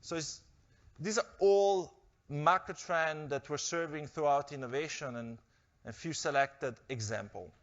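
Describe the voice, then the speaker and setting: A man's voice: on the high side, fairly bright tone. Hesitant man with a muffled sound. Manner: measured, with frequent hesitations. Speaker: corporate executive presenter. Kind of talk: investor presentation speech.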